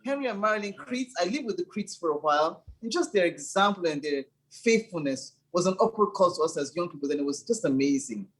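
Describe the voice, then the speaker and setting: A woman's voice: lowish voice, animated, a little fast, hardly any pauses, husky, poor audio. A middle-aged woman, a church leader and former lawyer, earnestly recalling her early years in an interview answer. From Nigeria. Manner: earnest, enthusiastic, repeats words as she builds up.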